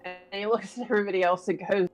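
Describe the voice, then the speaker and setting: A woman's voice: medium pitch, fairly even intonation, racing. A woman chatting casually as a player in a tabletop game, describing what her character does. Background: background music.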